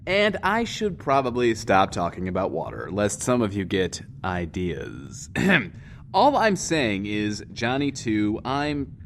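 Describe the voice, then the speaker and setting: An actor playing a self-important, wordy, lonely radio host in a post-apocalyptic bunker, in an audio drama. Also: male voice, lowish voice, wildly swooping pitch, slow pace, a bit bright, a little hiss or hum, heavily acted. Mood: wistful, apologetic. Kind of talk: in-world radio show monologue, audio drama.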